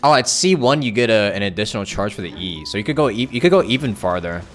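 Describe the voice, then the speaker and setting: Streamer with lively, swinging pitch. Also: fast. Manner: musing aloud, reacting to the game. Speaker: game streamer. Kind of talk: casual live-stream game commentary. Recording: faint game music behind.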